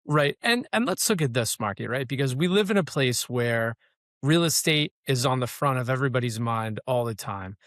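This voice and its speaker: A man hosting a local interview show, introducing his guest and asking questions. He talks conversationally and leans on fillers. His voice is at a middle pitch, captured close with a dry sound. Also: expressive, moderate pace, a bit bright, no echo. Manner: conversational, with fillers like "you know". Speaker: podcast host.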